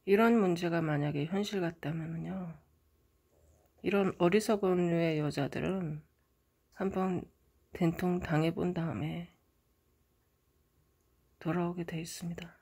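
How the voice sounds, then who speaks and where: A middle-aged woman hosting her own channel, telling a story in a casual monologue and swinging dramatically from hushed murmurs to loud outbursts. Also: fairly low pitch, steady tone, unhurried, pauses often, husky. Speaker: channel host interpreting a dream.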